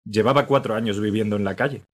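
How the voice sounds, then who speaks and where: A man's voice: on the low side, fast talker, close to an everyday voice. A man playing a middle-aged forensic doctor who talks in a dry, matter-of-fact way. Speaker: forensic pathologist. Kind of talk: radio drama acting.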